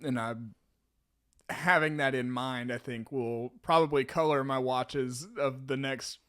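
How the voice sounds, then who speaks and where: A man's voice: mid-range voice, steady tone, unhurried, fairly bright tone, clean tone, no echo, clean studio sound. A man co-hosting a podcast, chatting casually and thinking aloud in a hesitant, joking way. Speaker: podcast co-host. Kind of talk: casual podcast banter and discussion.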